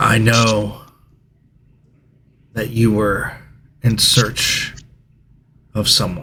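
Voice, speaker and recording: A man puts on a character voice of medium pitch. He goes at a very slow pace with long, frequent pauses. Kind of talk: divine vision dialogue. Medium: actual play. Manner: solemn, paternal.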